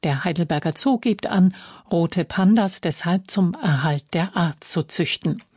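A woman reading the radio news in a measured, formal way. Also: fairly low pitch, husky, no room sound, clean studio sound. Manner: measured, even, formal delivery. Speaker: newsreader. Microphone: studio microphone.

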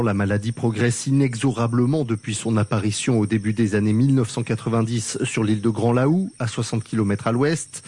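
Husky man reading a radio report. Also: mid-range voice. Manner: steady, deliberate reading. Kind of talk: scripted news narration.

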